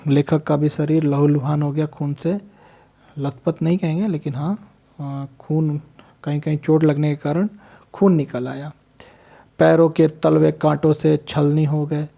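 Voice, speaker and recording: Gravelly-voiced man teaching a story. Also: fairly high pitch, steady tone, unhurried, mellow, muffled recording. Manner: reads a line then explains it in simple words; asks the class questions and answers them himself. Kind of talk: Hindi literature lesson explaining a story.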